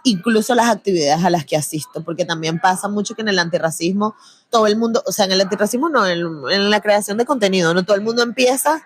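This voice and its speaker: A young woman speaks with a Venezuelan Spanish accent in a relaxed interview. Her voice sits in a middle pitch. She is chatty and slangy, and she laughs easily. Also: fast. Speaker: guest, producer and antiracism content creator. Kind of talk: casual conversational interview.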